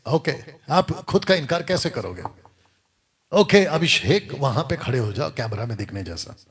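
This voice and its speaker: A man's voice: medium pitch, sing-song, moderate pace. A man preaching a sermon to a live congregation, scolding and firing rhetorical questions at the crowd. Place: church or meeting hall with congregation.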